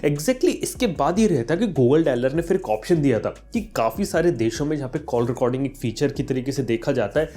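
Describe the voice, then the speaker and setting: Speaking with a mellow, mid-range voice, a tech vlogger explains things to viewers in an animated, slightly fast way with few pauses. His conversational commentary weaves in English terms.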